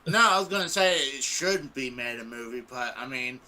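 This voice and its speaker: A man giving opinions in a casual panel discussion, halting and repeating himself. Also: mid-range voice, expressive, sharp tone.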